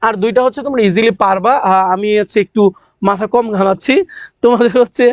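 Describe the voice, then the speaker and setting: A young man from Bangladesh teaching an economics class, talking fast, repeating key points and quizzing students as he works through the numbers. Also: high-pitched, fairly even intonation, no room sound. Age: young adult. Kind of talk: online class lecture.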